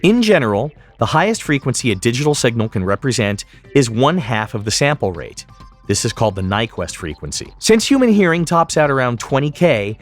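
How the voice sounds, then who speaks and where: A man presenting a tutorial in scripted, explanatory narration, enunciating each term clearly. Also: medium pitch, sing-song, a little fast, faint music behind.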